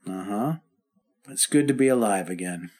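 An actor playing a weary husband recovering from illness, speaking earnestly and tenderly in an old-time radio drama. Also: male voice, fairly low pitch, expressive, moderate pace, loud music behind the voice, lightly acted.

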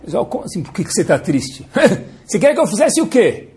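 A rabbi teaches a Torah lesson with playful theatrics. His voice is somewhat high and husky, and his pitch leaps around animatedly. He slips Hebrew terms into his talk as he goes. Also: big pitch swings, brisk, a little mellow.

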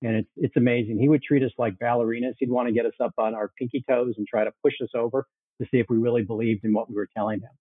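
A man in his sixties who grew up in Chicago, answering interview questions with steady, orderly storytelling. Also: medium pitch, racing, breathy edge, no echo. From Chicago, USA. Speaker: guest cofounder. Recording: tinny phone-like line, dry.

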